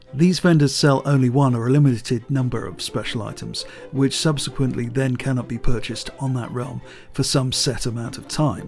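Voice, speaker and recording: With music in the background, a man talks at a moderate pace and medium pitch with fairly even intonation. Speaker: gaming youtuber. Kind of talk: scripted narration. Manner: soft ASMR-style; calm, measured.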